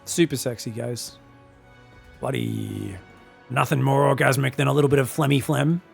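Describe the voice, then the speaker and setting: Gravelly-voiced excitable caster. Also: male voice, medium pitch, normal speed, soft background music. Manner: excitable, shouts on big plays, then breaks down mistakes. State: phlegmy after being sick. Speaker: esports caster. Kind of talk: solo game commentary.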